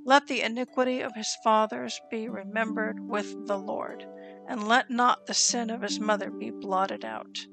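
A woman giving a slow, solemn reading of scripture, with deliberate pauses between phrases. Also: fairly high pitch, fairly even intonation, gravelly, rough recording. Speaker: scripture reader. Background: soft instrumental music.

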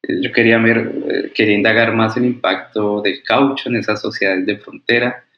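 Low-voiced man, hesitant, echoey dull audio. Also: steady tone, normal speed. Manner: hesitant, many fillers and restarts, asks "¿sí?" often. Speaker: historian and author, guest. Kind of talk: reflective interview answers.

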